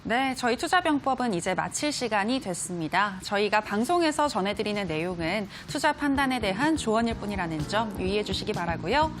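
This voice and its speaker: A woman hosts a stock broadcast in a smooth, scripted announcer manner. Her pitch moves in a lively way, and a faint noise sits under the recording. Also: fairly quick, hardly any pauses. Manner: polished, scripted announcer delivery. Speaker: program host. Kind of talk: broadcast hosting.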